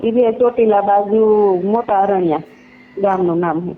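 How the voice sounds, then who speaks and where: A woman's voice: mid-range voice, normal speed. Kathiawadi woman on a tinny phone line. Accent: Kathiawadi Gujarati. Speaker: caller telling their own story. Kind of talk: informal personal account on a phone call. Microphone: telephone line. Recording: tinny narrowband phone call recording.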